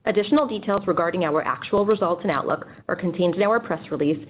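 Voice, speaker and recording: A woman's voice: fairly low pitch, fast. A woman reading a formal scripted statement as a corporate investor relations executive on a conference call. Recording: dull, noisy conference call audio.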